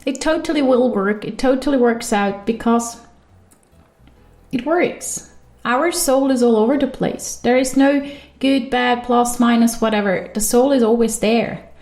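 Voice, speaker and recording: A woman with a Swiss German accent, hosting her own podcast as an intuition coach, talking animatedly on her own. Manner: animated, with quick shifts up in pitch for emphasis. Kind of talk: solo podcast monologue.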